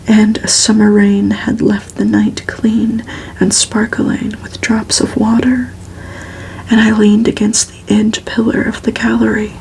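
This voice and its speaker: A woman reading a book aloud as ASMR in a hushed, breathy whisper with crackly edges. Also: mid-range voice. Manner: slow, hushed, even delivery. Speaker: ASMR reader and host.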